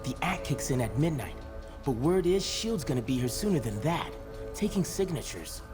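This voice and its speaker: An actor playing a young, anxious superhero in a video game, chatty and casual with a wisecracking way of talking. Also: male voice, on the high side, very animated, normal speed. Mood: uneasy chatter. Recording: music under voice.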